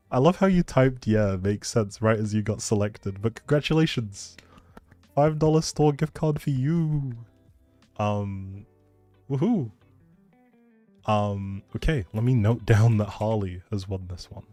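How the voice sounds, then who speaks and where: A man's voice: lowish voice, a little mellow. A man hosting a livestream in a chatty, rambling, informal way, as if talking casually with viewers. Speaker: livestream host. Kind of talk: casual livestream chat, giveaway announcing.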